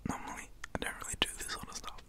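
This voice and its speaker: An Australian man with a deep, gravelly voice, telling a story to listeners. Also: racing, sharp tone, in a whisper. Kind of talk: dramatic storybook narration.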